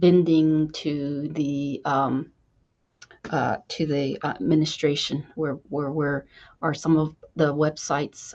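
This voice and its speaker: Her intonation is monotone and flat. The woman's pitch is very deep and low. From New Mexico. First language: not English. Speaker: college staff member, session participant. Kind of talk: online workshop discussion. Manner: halting, many fillers.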